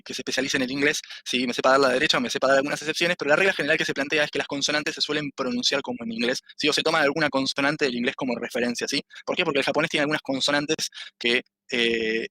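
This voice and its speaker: Fast, bright man teaching. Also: mid-range voice. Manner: constant "¿sí?" tag after nearly every phrase; explanatory, patient, repeats and restarts phrases. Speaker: Japanese language teacher. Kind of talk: online public class lecture.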